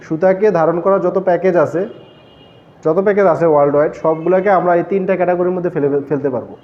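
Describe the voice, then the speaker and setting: A man lectures on textile engineering in a high voice captured with dull audio. He explains methodically and poses questions that he answers on his own.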